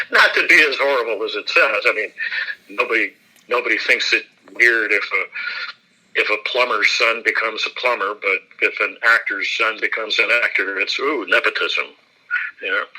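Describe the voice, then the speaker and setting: A man, an actor, giving a relaxed and self-deprecating interview, laughing often as he talks. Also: lowish voice, measured pace, slightly rough, rough recording.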